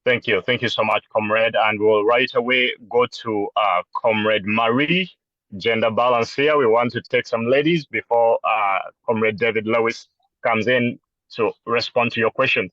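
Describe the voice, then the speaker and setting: A man's voice: mid-range voice, fairly even intonation, moderate pace, no echo. A man politely and formally chairing an online meeting, calling on speakers in turn over a video call. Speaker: meeting moderator. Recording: slightly muffled, dry call audio.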